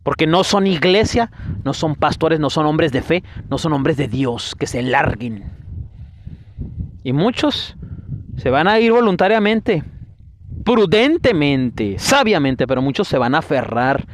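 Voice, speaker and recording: A man's voice: fairly high pitch, sing-song, measured pace, a little hiss or hum. A man preaching a fiery sermon, scolding and firing off rhetorical questions. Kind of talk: denunciatory sermon.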